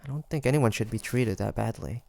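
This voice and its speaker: A man's voice: mid-range voice, brisk, vocal fry, darkish tone, natural voice. A man playing a curious, teasing demon hunter in an audio roleplay, talking to the listener in a hesitant, conversational way. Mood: sympathetic, gentle. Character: male demon hunter traveler, curious, teasing, softly tsundere. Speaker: voice actor.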